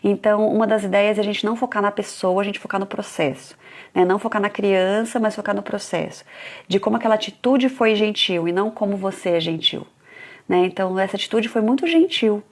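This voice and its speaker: Fast-talking woman telling family stories. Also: medium pitch. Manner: storytelling, acting out family dialogue. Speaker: parenting educator. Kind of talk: live talk on parenting.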